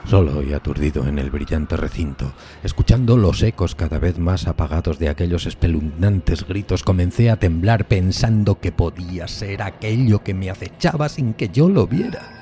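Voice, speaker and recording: Male actor as haunted undead outcast, very deep, solemn, anguished; theatrical gothic horror audiodrama over strong music. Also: animated, mellow. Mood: fearful, tense. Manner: solemn, anguished, theatrical, drawn-out emphatic words. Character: lonely, horrified undead male outcast telling his tale.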